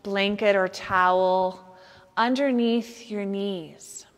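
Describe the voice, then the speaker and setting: A woman teaching yoga nidra, guiding a meditation in a soothing, gentle manner with unhurried pauses. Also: medium pitch, steady tone. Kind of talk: guided meditation instruction. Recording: long hall-like reverb.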